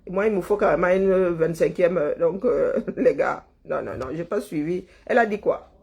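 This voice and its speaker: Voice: medium pitch, moderate pace, gravelly, a little mellow, breathy edge. A livestream host, chatting casually and greeting viewers by name, rambling and chuckling and stumbling over words.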